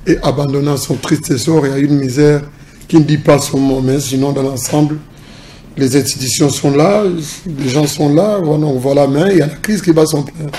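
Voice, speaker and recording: A middle-aged man from Congo Central with a Congolese French accent, answering interview questions in a measured, formal way as a political analyst and businessman. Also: mid-range voice, dark tone, a little hiss or hum. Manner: measured, formal, mixes in Lingala.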